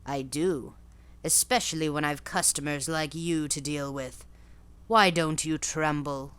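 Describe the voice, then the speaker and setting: A woman voicing a harsh old female gypsy fortune-teller who speaks slowly and deliberately in a low, decided voice. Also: steady tone, fairly bright tone, clean tone, no room sound. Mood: mocking. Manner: slow, low, emphatic pronouncements.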